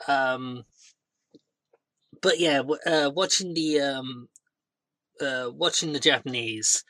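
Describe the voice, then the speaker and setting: A man co-hosting a casual podcast, speaking haltingly with lots of fillers. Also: mid-range voice, bright, forceful tone, no echo. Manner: halting, with many fillers and restarts. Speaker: podcast co-host.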